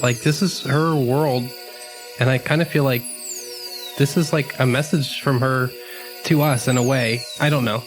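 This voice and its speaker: A man's voice: medium pitch, steady tone, measured pace, poor audio. Casual, hesitant guy roleplaying over music. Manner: hesitant, rambling, slangy. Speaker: tabletop game player. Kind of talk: casual in-character roleplay among friends. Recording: music playing under the voice.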